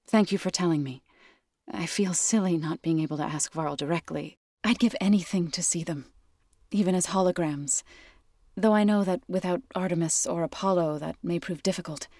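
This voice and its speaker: An actress playing an earnest, solemn tribal healer in a science-fiction video game, speaking in a measured, grave, formal way. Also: female voice, on the low side, a little mellow, no echo, studio quality. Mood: gentle, regretful. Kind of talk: scripted video game character dialogue.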